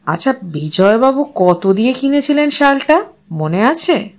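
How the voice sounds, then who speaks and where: A woman voicing a fond, courteous husband who talks in a soft, playful way in an audio story. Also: high voice, big pitch swings, unhurried, full character voice. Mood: casual, courteous. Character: gently teasing husband, adult man, fond and courteous.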